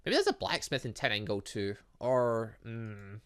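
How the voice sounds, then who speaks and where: A man's voice: lowish voice, very animated, normal speed, a bit bright, clean tone. A man reading visual novel dialogue aloud as a gaming host, breaking off into casual asides and exclamations.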